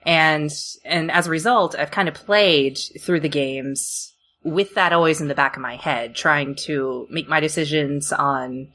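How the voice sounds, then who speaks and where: Very low-pitched, bright-voiced young woman. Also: unhurried, slight background noise. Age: 20s. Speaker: podcast panelist. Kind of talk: casual chat.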